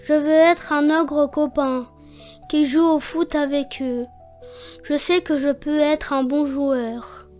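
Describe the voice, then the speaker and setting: A performer voicing a gentle, eager young boy ogre in a children's cartoon, polite and earnest. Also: high-pitched, fairly even intonation, slow, faint music behind. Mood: determined.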